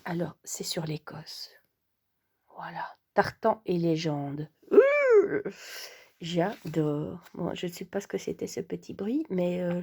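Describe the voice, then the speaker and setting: Chatty woman with a mellow voice. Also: lowish voice. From Belgium. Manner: chatty, hesitant, many fillers, drops into whispers. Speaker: vlogger and sophrology coach. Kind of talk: casual chat to camera.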